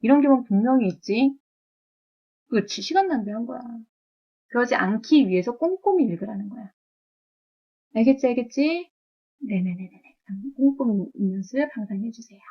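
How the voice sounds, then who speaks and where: A woman's voice: on the high side, expressive, moderate pace, long pauses, breathy edge, muffled recording. A woman chemistry teacher giving a live lecture to students in a classroom, chatty and always checking in with them.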